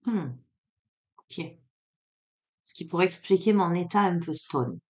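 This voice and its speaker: A woman with a faint southern French accent, from Marseille, doing a casual oracle card reading, hesitant and drowsy, with many pauses and fillers. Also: lowish voice, animated. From Marseille, France. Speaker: card reader.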